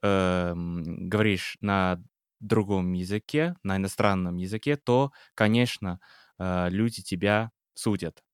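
A man's voice: deep voice, steady tone, clean tone, no room sound, clean studio sound. An Englishman who co-hosts a podcast and teaches the language, speaking with an English accent in a hesitant casual chat. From England. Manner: hesitant, many pauses and restarts. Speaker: podcast co-host, Russian teacher.

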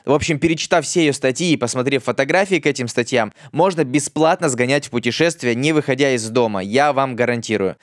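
A man's voice: mid-range voice, fast talker, hardly any pauses, no echo. Male podcast host, dry studio sound. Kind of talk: casual, friendly interview. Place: recording studio.

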